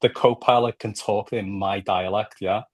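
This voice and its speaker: Low-voiced man with a Liverpool accent. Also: steady tone, normal speed, slightly rough, no echo. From Liverpool, England. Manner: explanatory, often checks with "right?". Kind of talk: casual conversational podcast discussion.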